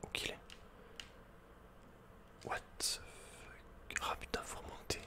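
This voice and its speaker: A man speaks entirely in a soft, breathy whisper. He hosts an ASMR gaming session, murmuring casual running reactions and slangy asides as he plays. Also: takes it slowly. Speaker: ASMR gaming video host. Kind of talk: whispered ASMR game commentary.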